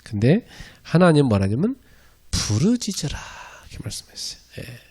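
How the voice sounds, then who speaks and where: A middle-aged male pastor preaching a sermon in a lively, conversational way, laughing often and breaking into loud shouted prayers. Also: a little high, moderate pace, husky.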